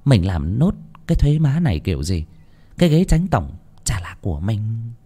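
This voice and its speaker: A man's voice: lowish voice, big pitch swings, moderate pace, dark tone, breathy edge. A man voicing a spiteful, greedy older woman, the landlord's wife, scolding with scorn. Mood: scornful.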